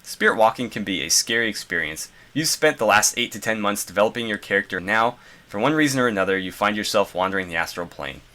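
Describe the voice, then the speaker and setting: A man's voice: lowish voice, expressive, quick pace, sharp tone. A congested man reading a game design journal aloud and adding casual asides with fillers. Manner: reads passages then adds loose asides with fillers. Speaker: gaming video host.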